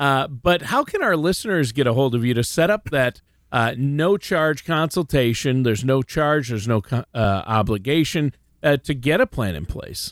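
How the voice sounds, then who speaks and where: A man with a plain, everyday voice, fairly high pitch and lively intonation, at a moderate pace in a dry, close sound with no echo. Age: 50s. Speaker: radio co-host. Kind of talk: radio talk show.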